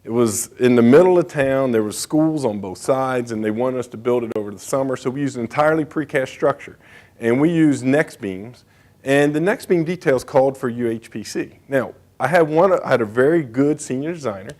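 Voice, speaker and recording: A man's voice: medium pitch, brisk, darkish tone. A man giving a conference presentation as a state bridge engineer, speaking casually with frequent fillers and asides.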